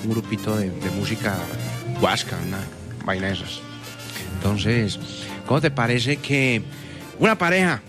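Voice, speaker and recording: A man's voice: fairly low pitch, unhurried, pauses often, over music. A Colombian man telling jokes on radio, playful and laughing at his own punchlines. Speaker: radio humorist. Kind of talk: joke-telling radio chat.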